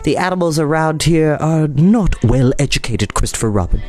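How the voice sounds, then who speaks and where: A man's voice: fairly high pitch, lively intonation, a little mellow, faint music behind, close to an everyday voice. A man playing pompous, self-important Owl. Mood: condescending. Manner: pompous, slow and deliberate.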